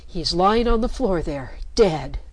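A woman's voice: fairly low pitch, animated, takes it slowly. A woman voicing a crippled street boy who is shaken and grieving, speaking in a trembling voice. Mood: weak. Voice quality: trembling, shaky.

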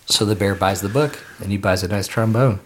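A man's voice: fairly low pitch, brisk, slight background noise. A man on a podcast telling a long, rambling joke and laughing at his own story as he goes. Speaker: podcast panelist.

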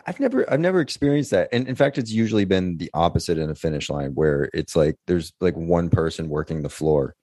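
A male podcast co-host with a very deep voice talks in a casual, rambling way. The sound is dry, with no room around him. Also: expressive, a little fast, few pauses, mellow, dry recording. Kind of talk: casual chat.

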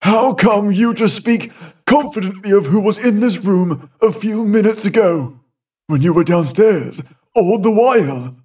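Blustery old gent the narrator puts on, husky and slow, kinda far off the mic. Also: male voice, sits high, animated, darkish tone, voice pushed up, exaggerated voice. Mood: blustering. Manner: blustering, exclaiming, then commanding. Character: flustered elderly gentleman, father of the house.

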